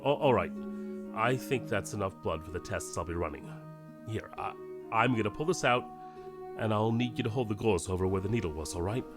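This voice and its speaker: A man's voice: fairly low pitch, fairly quick, music in the background, lightly acted. A man playing an anxious, protective middle-aged scientist father in an audio drama, speaking hesitantly, carefully and earnestly. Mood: uneasy.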